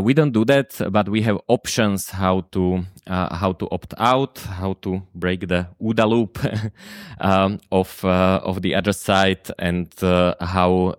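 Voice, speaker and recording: A deep-voiced man speaking English with a Slovak accent, Slovak being his native tongue. He talks in a halting, earnest way, stopping often mid-thought. His voice is smooth and sits close and dry on the mic. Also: no echo. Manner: halting, many pauses, earnest and opinionated. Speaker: podcast host and presenter. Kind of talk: informal spoken presentation.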